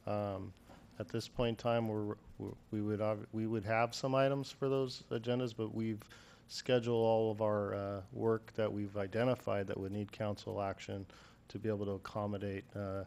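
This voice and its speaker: A middle-aged American man, a city manager's aide, explaining things in halting, measured phrases at a desk microphone in a council chamber. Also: on the low side, gravelly, darkish tone, a little hiss or hum. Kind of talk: explanatory meeting remarks. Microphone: gooseneck desk microphone.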